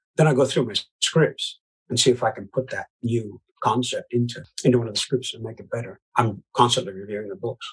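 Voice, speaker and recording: A somewhat breathy, medium-pitched man at a fairly quick pace, with ordinary pitch variation and big swings in loudness. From US Midwest, Iowa. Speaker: puppeteer and ventriloquist. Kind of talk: podcast interview.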